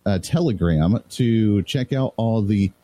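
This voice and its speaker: A man's voice: lowish voice, animated, slow, warm tone, dry recording. A man sitting in as a talk radio host, chatting loosely and laughing easily with his co-host. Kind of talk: casual talk radio chat.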